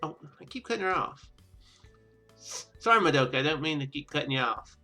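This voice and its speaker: A man with a fairly high, bright and forceful voice reads a visual novel aloud over clear background music. He mixes narration with casual commentary, often tripping on a line and correcting himself. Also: animated, a little fast. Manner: stumbles over read lines and corrects himself. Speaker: gaming video host.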